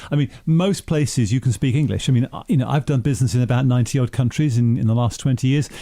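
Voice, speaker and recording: A man talks quickly in a radio studio with a dark, mellow voice. He gives his opinions bluntly and firmly, brushing ideas aside with conviction. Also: mid-range voice. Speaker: studio guest, businessman. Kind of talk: casual radio discussion.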